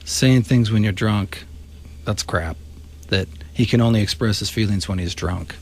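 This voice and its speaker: Male panel guest for talk radio, lowish register, casual conversational delivery. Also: normal speed.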